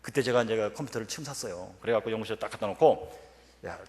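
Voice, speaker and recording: A man's voice: on the low side, quick pace. A man in his fifties giving a humorous revival-meeting sermon and telling stories with acted quotes. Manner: animated storytelling with acted quotes. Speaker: professor speaking at a revival meeting. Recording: reverberant church hall.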